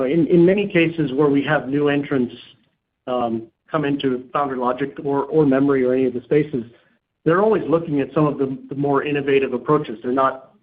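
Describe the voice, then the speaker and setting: Mid-pitched man, phone-like sound. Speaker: company executive answering analysts. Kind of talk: earnings call question and answer. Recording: narrow phone-like conference line.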